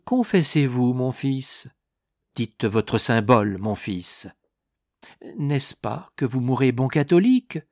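A man's voice: mid-range voice, animated, slow pace, no room sound, clean studio sound. A man voicing a pious Catholic monk in a storybook reading, urgent and possessive, pressing his point.

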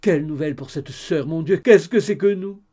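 A man voicing a gossipy, excitable middle-aged mother in an audiobook, chattering in a raised, exclamatory voice. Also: on the high side, a little fast, husky. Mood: gushing. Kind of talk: audiobook character reading.

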